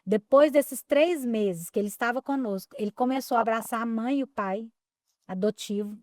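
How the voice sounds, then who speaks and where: A woman's voice: fairly high pitch, moderate pace, no echo, studio quality. A woman pastor, telling stories in a casual podcast chat and answering with frequent affirming interjections. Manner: warm affirming interjections, reflective storytelling.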